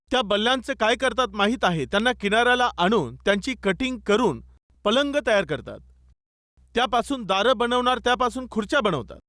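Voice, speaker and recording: A male pastor delivers a sermon in a very high voice. He repeats his appeals and asks the congregation rhetorical questions. The sound is dry and close. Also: a bit bright, dry recording. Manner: repetitive exhortation with rhetorical questions.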